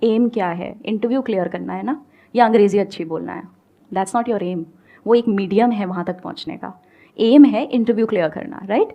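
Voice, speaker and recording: A woman's voice: medium pitch, normal speed, vocal fry, warm tone. A woman with an Indian accent giving an emphatic motivational talk on stage, switching between Hindi and English. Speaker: guest speaker.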